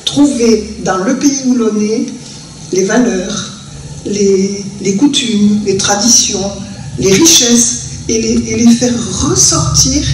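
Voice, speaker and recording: An older woman with a southern French accent talks earnestly as a guest storyteller, circling back and restarting her thoughts. She is picked up by a distant mic in a very echoey room. A faint hum of room noise sits underneath. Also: on the high side. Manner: earnest and reflective, with frequent restarts. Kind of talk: conversational talk at a live event. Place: festival conversation venue indoors.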